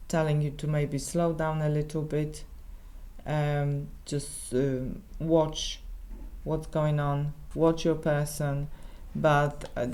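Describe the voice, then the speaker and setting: Low, mellow Polish-accented woman. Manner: halting, searching for words, many restarts. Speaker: tarot reader. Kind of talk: casual tarot reading monologue.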